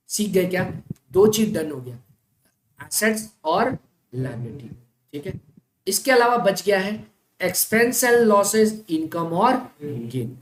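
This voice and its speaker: A woman teaching an accounting class in speech, often asking the class check questions and slowing down to spell out key terms. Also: medium pitch. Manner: stretches out key terms slowly, as if for dictation. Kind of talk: classroom lecture. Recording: echoey classroom with faint noise.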